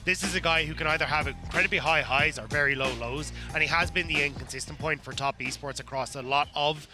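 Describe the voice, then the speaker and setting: Rapid-talking male esports analyst. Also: fairly high pitch, over music. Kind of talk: analytical desk commentary.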